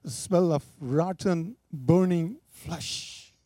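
A man's voice: fairly high pitch, slow, warm tone, no room sound. A man preaching, telling a story with emphatic, dramatic delivery. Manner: emphatic, rising and falling for drama.

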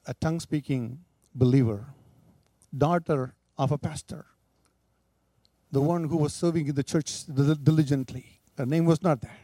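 A man's voice: on the high side, normal speed, mellow, no room sound. A man preaching, telling a story with emphatic, dramatic delivery. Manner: emphatic, rising and falling for drama.

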